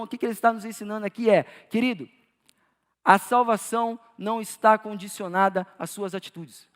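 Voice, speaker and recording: A male pastor with a very high voice, preaching a sermon in a big church. He presses hard on his key points and then drops soft and low to tell a story. The sound rings with a long hall echo. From Brazil. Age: adult with a child. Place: church auditorium.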